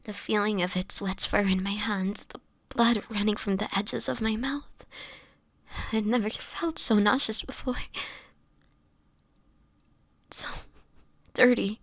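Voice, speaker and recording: A woman playing a sickly, gentle homeless woman turning vampire in an intimate audio roleplay, with a whispery, hesitant delivery. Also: mid-range voice, steady tone, dry recording. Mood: guilty, confessional. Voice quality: breathy, whispery. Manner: halting, hesitant, fragile delivery.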